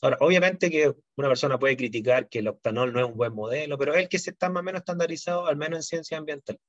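University chemistry lecturer, muffled dry sound. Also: male voice, a little high, rapid-fire, no echo. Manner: explanatory, frequent "¿no es cierto?" and "¿ya?" check-ins.

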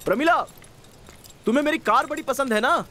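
A man's voice: very high-pitched, brisk, sharp tone. A man dubbing a teasing, carefree young male film hero in playful banter, with music under the film soundtrack. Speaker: male lead in dubbed film.

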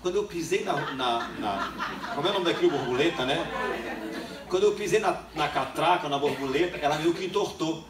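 A high-voiced young man delivers a sermon, mixing humor and voiced characters into his story. He is caught from a distance in an echoey church hall, with clear room noise behind him. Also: lively intonation, a little fast, over a noisy crowd. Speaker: preacher.

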